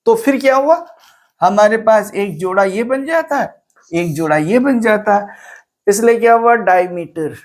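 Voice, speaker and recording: A man's voice: high voice, lively intonation, unhurried. A man teaching English poetry, explaining verse meter and rhyme scheme. He switches between Hindi and English and repeats key terms for emphasis.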